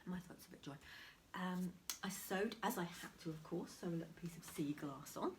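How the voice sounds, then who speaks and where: A woman talks casually to camera, her voice set a little low and slightly nasal from a cold. She half-whispers, chats softly, and laughs quietly now and then. Faint rain patters behind her. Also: moderate pace, a little hiss or hum. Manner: soft, chatty, often half-whispered with small laughs. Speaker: crafting vlogger. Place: home room beside a window, heavy rain outside.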